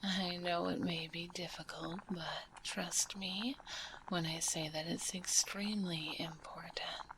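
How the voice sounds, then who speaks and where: A woman voicing a gentle, caring witch healer in an ASMR roleplay, whispering softly and soothingly close to a binaural microphone. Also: on the low side, fairly even intonation, background noise. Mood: tender, reassuring. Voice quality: soft, breathy whisper. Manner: soothing, unhurried, nurturing. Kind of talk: ASMR roleplay, addressing the listener.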